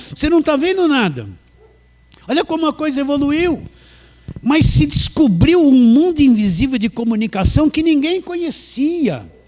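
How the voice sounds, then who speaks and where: Over noticeable background noise, a man with an extremely high pitch speaks fairly slowly in an animated tone with lively intonation. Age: 60s. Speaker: pastor. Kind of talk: sermon. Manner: conversational, animated.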